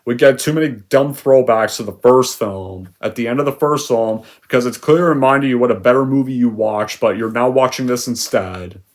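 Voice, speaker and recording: A man's voice: mid-range voice, moderate pace, hardly any pauses. Young male reviewer, exasperated rant, sarcastic bursts, mid-range voice. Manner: sarcastic, exasperated, loud outbursts. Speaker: movie reviewer. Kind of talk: ranting movie review.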